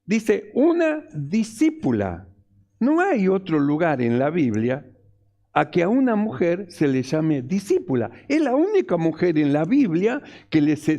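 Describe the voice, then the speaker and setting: A man's voice: high-pitched, mellow. A male pastor, preaching a sermon emphatically and repeating his key phrases.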